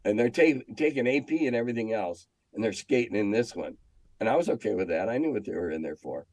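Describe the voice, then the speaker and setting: Deep-voiced older American man telling stories. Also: lively intonation, fast, a little mellow, dry recording. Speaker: guest, former schoolteacher. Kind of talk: casual storytelling interview.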